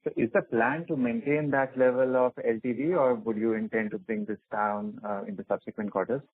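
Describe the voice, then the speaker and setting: A man with a husky voice, asking questions as a financial analyst on a conference call. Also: mid-range voice, fairly even intonation, brisk, dry recording. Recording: dry narrow phone line.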